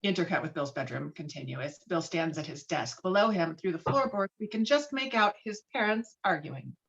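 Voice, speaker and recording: A woman's voice: lowish voice, expressive, moderate pace, vocal fry, a bit bright, muffled recording. A woman narrating screenplay stage directions with a dramatic, emphatic read on a video call.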